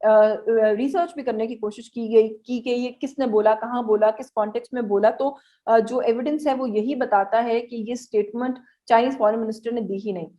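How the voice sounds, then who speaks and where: A Pakistani-accented woman speaks as a journalist analysing the news for viewers. Her voice sits fairly high. She explains step by step, pausing and hesitating as she goes, and drops English terms into her sentences. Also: fairly even intonation, muffled recording. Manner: hesitant, halting explanatory delivery with English words mixed in.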